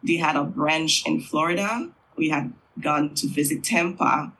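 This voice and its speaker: A middle-aged man from Haiti, a Creole language teacher, answering interview questions in an unhurried, thoughtful way with frequent fillers. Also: fairly high pitch, creaky, sharp tone, slight background noise, rough recording.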